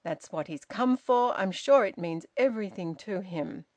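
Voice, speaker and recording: A woman's voice: medium pitch, animated, normal speed, dry recording, natural voice. A woman voicing a young woman with a precise, haughty way of speaking. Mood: insistent.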